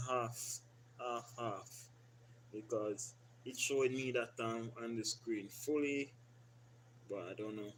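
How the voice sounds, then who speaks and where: A man speaks with a Jamaican accent and fairly even intonation. His pace is fairly slow, with long, frequent pauses. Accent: Jamaican, Patois features. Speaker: cooking channel chef. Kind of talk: casual livestream chat. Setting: live stream from home. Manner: loud.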